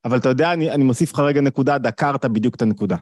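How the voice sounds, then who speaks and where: A man of ordinary pitch leads a video-call conversation as its teacher and host. His voice sounds dry and close, with no room around it. He builds his points through rhetorical questions and a run of everyday examples. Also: darkish tone, no room sound. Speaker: host and teacher of the study series.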